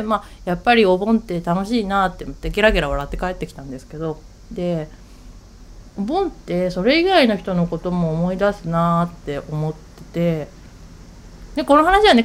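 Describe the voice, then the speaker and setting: A woman hosts her radio talk show alone, with a lowish voice that swings widely in pitch. She talks casually and bounces through a family story, putting on her relatives' voices as she goes. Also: slight background noise. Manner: chatty, animated, acts out quoted relatives.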